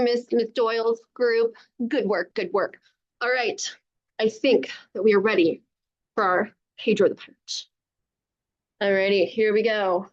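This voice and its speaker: A woman reading a storybook aloud to children over a video call, with animated narration and encouraging, chatty asides, in dull lo-fi sound. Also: on the high side. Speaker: children's author reading own book aloud.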